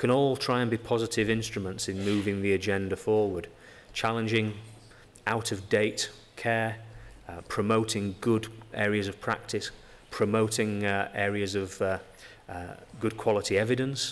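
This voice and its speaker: In a strong Yorkshire accent, a man with a fairly low pitch talks at a moderate pace in a monotone, flat intonation, leaving long, frequent pauses. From Yorkshire, northern England. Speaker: physiotherapist, conference speaker. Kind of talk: conference lecture. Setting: stage with audience, with interpreters. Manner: frequent fillers, um and uh.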